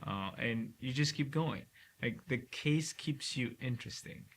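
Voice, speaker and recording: A man from Cameroon, a neurosurgeon, talking calmly and often checking in with "right?" as a guest. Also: medium pitch, a little hiss or hum. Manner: calm, measured, ends points with "right?". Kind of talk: casual interview talk.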